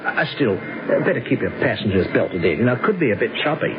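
An actor playing a jaunty, joking airline co-pilot in a 1970s radio drama, with a chummy, easygoing, wisecracking manner. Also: male voice, mid-range voice, very animated, quick pace, natural voice. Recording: muffled old radio broadcast, loud cabin noise.

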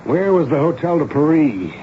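A man's voice: fairly high pitch, big pitch swings, normal speed. A man acting a stern, authoritative army major who questions in a commanding, clipped way in a 1970s radio drama. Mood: probing. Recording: dull, noisy vintage radio broadcast.

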